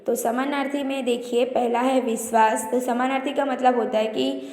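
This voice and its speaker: A woman's voice: high voice, fairly even intonation, normal speed, darkish tone. A woman teacher going through a school revision lesson, explaining step by step and listing word pairs. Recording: echoey room reverb.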